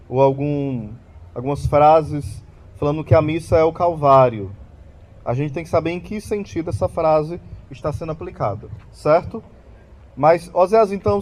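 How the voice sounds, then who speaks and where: A man's voice: on the high side, a little mellow. A man with a Brazilian Portuguese accent giving a catechetical talk about the Mass, often asking the audience questions and answering them himself. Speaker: Catholic lay preacher.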